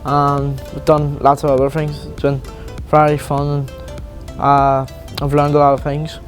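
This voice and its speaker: A man's voice: fairly high pitch, monotone, unhurried, faint music behind. A young man from Belfast with a Belfast accent, answering interview questions hesitantly with many fillers. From Northern Ireland. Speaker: visiting student interviewee.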